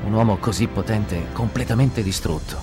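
A man's voice: lowish voice, normal speed, lightly acted. A man dubbing a young interpreter's first-person account in earnest, emotional documentary testimony. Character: young male interpreter recalling a capture. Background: music.

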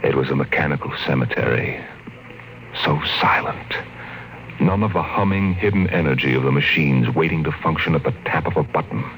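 An American actor playing a somber, theatrical storyteller, narrating an eerie 1950s radio drama with literary intensity. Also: male voice, a bass voice, fairly quick, poor audio. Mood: somber, hushed. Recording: old radio broadcast under loud music.

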